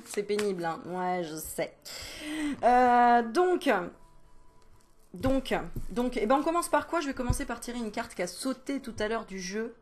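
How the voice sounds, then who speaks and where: Chatty woman doing a card reading. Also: on the high side. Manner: chatty, talks straight to the viewer, laughs often; reads card messages aloud slowly. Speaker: medium giving card readings. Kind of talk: casual oracle card reading to the viewer.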